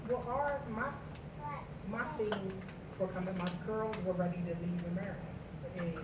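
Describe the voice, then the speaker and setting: A woman telling a personal story in casual conversation with friends, earnest and animated. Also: medium pitch, normal speed. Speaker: guest. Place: home with friends. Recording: far mic, echoey room, noisy.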